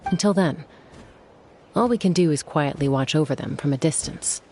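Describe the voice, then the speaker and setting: A woman playing a composed, protective tribal warrior in a video game, explaining things in a measured, frank way. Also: sits low, dark tone, a little hiss or hum, natural voice. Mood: reassuring. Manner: measured, matter-of-fact explaining. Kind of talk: video game dialogue acting.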